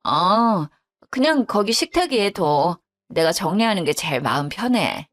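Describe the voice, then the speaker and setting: A woman's voice: medium pitch, very animated, measured pace, faint music behind. A woman voicing a curt, self-pitying widowed older mother-in-law who grumbles bluntly.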